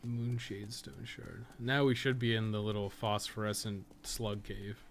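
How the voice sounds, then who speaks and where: A man's voice: fairly low pitch, little pitch movement, measured pace. Man rambling through game commentary over noticeable noise. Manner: sweary, thinking out loud. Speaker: game streamer and guide maker. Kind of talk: casual, rambling live gameplay commentary.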